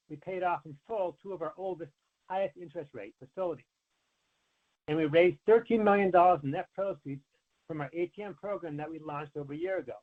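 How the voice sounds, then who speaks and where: A man, a company finance executive, reading prepared earnings remarks in a formal, measured way over a conference call line. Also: on the high side. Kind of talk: scripted earnings call presentation. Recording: narrow, tinny conference phone line.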